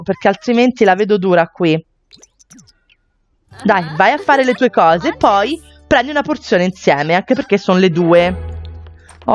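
A woman's voice: a little high, muffled recording, pitched above the performer's own voice. Woman voicing bubbly eccentric young mom-to-be. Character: cheerful eccentric young woman, expecting a baby.

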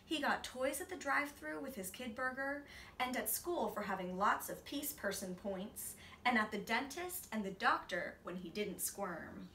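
A woman in her twenties gives an expressive children's read-aloud. Her voice is bright and medium in pitch. The room is audible around her, with faint noise. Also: normal speed, distant mic. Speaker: storybook reader. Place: small indoor room, seated. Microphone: camera a few feet away. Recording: roomy, off-mic, faint noise.

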